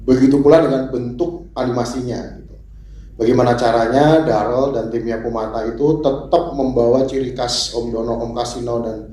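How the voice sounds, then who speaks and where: A man answering a press question deliberately, with hesitant fillers, in an echoey hall. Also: mid-range voice, steady tone, warm tone. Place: press conference room. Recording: echoey hall, faint ambience.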